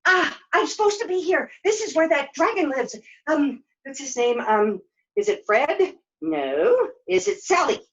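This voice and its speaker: A woman playing a flustered, forgetful but plucky young heroine in a puppet show, halting and excitable. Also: high voice, voice pushed up. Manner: halting, excitable, self-questioning. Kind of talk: puppet show character acting. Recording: dull, lo-fi sound.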